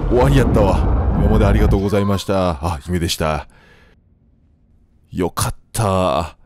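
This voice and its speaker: Lively low-voiced Kansai man playing a game. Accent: Kansai Japanese. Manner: joking, talks to the game characters, sudden shouts. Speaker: gameplay commentator. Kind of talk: casual let's-play commentary. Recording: faint game music behind.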